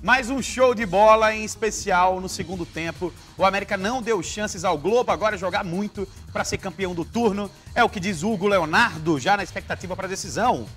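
A man's voice: high-pitched, brisk, hardly any pauses, fairly bright tone, faint music behind. A Brazilian man in his thirties hosting a live TV sports show in a studio, upbeat, reading viewer messages aloud. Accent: Brazilian Portuguese.

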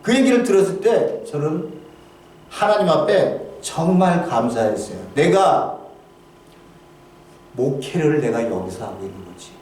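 Male pastor with a high voice, delivering a heartfelt testimony sermon full of restarts, picked up from afar in a booming, echoing church. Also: lively intonation, darkish tone. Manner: halting, emotional storytelling with many restarts. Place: church sanctuary. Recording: very echoey hall, voice from far off.

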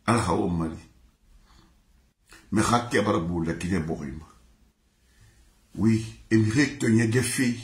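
Guy chanting slow and repetitive, sing-song, echoey room. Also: fairly low pitch. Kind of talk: chanted song in mixed languages.

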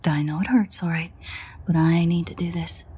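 A woman playing a foul-mouthed, teasing but protective female vampire in an audio drama, with a hushed, breathy, near-whispered delivery. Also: lowish voice, fairly even intonation, normal speed, close to an everyday voice. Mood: anxious, soothing. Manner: sardonic, swearing, coaxing. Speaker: audio roleplay voice actor. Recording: faint ambient noise, rain.

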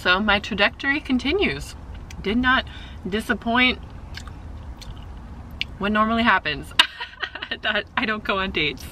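Bright, effusive woman chatting in a car. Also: mid-range voice, animated, measured pace, pauses often, a little hiss or hum. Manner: chatty and effusive, coos at her cat. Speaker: vlogger. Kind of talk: casual food-tasting vlog chat. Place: inside a parked car. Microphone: camera mounted on the dashboard.

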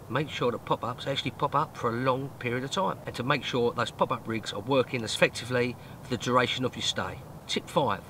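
A man's voice: mid-range voice, pushed and bright. A man in his forties presenting an instructional vlog to camera in an emphatic, informal, explanatory way. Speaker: host of a fishing tips video channel. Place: inside a small fishing tent outdoors. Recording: faint outdoor background noise.

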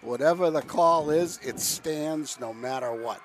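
A man doing play-by-play for a local TV broadcast of a high school football game, excitable and shouting on big plays. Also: measured pace, a little hiss or hum. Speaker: play-by-play announcer.

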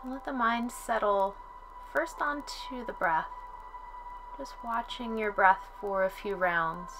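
A woman leading a guided relaxation as a yoga instructor, speaking in a calm, soothing way with long pauses. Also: medium pitch, background noise. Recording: soft music under the voice. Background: music.

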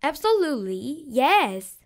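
A woman's voice: high voice, very animated, slow pace, no room sound, studio quality, full character voice. A woman playing a confident, teasing young elder brother in a children's storybook audiobook. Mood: reassuring.

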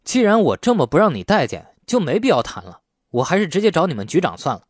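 A man's voice: a little high, huge pitch swings, fast talker, breathy edge, no echo, studio quality, pitched above the performer's own voice, exaggerated voice. A man voicing an aggrieved, defiant young man in an audiobook, argumentative and sarcastic. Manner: indignant, argumentative.

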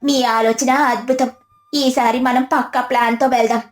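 High-voiced greedy village wife, voiced by a woman. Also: steady tone, moderate pace, echoey room, close to an everyday voice. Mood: eager. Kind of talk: scripted animated moral-story dialogue. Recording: background music under the voice.

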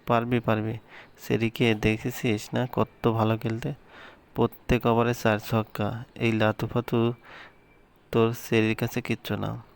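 Storyteller: man, gravelly, even and unvaried, colloquial first-person narration. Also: mid-range voice. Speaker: story reader.

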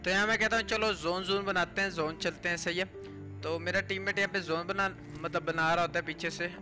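A man's voice: sits high, fairly even intonation, a little fast. A man giving casual gameplay commentary in a voice-over. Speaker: gaming video creator. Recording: music bed under voice. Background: background music.

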